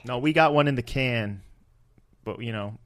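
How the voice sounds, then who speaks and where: A man's voice: mid-range voice, moderate pace. A man co-hosting a podcast in casual, joking banter over a video call. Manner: joking, informal. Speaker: podcast co-host.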